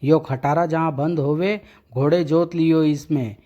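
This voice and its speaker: A cheeky village nephew, voiced by a man, full of rustic jokes. The voice is fairly high with a dark tone. The sound is muffled and lo-fi. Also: steady tone, a little slow, lightly acted. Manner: cheeky, giggly rustic banter.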